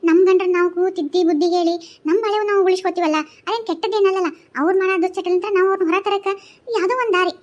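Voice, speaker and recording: A woman's voice: very high voice, fairly even intonation, racing, darkish tone. A woman voicing a poor, tearful village wife of a drunkard in a cartoon, with a North Karnataka Kannada accent and a pleading manner. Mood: resolved. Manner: pleading, tearful, repeats "yavva". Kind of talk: cartoon voice acting.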